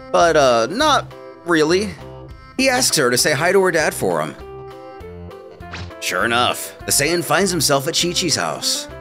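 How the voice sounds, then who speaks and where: A man's voice: on the high side, fairly bright tone. A man narrating a story retelling in a playful way with wry asides. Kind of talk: comic story recap narration. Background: faint background music.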